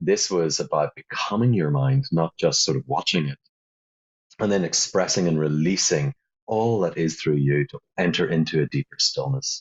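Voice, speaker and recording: With a Northern Irish accent, a man talks at a moderate pace. His voice is very deep and low, with lively intonation. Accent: Northern Irish (Belfast). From Northern Ireland, Belfast. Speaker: wellness entrepreneur and meditation teacher. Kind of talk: podcast interview.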